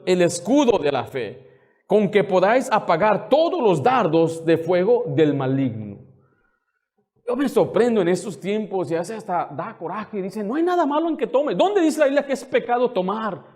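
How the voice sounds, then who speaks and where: A man with a notably high-pitched voice delivers a sermon as pastor. He preaches with fervor and indignation, pressing the congregation with one rhetorical question after another. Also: very animated, moderate pace, darkish tone. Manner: indignant, scolding.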